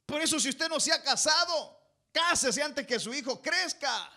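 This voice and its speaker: Pastor guy giving a sermon, pretty high voice, keeps calling everyone brother and getting them to fill in the blanks. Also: lively intonation, moderate pace, creaky, bright, forceful tone. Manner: preaching to a congregation, prompting them to fill in words; emphatic, addresses listeners as brothers.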